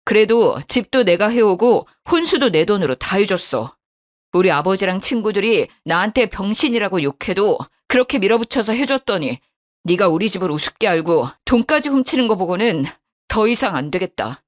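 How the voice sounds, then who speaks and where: A woman's voice: expressive, moderate pace, natural voice. Woman doing a cold, angry young husband. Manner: harsh, scolding, lower-pitched.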